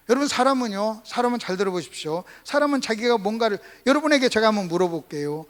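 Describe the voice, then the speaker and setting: A male revival preacher with a notably high voice addresses his congregation. He teaches by repeating key phrases and putting rhetorical questions to his listeners, with firm emphasis. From Gunsan, North Jeolla, South Korea. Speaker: pastor, visiting revival preacher. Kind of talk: Sunday revival sermon with call-and-response to congregation. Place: church service.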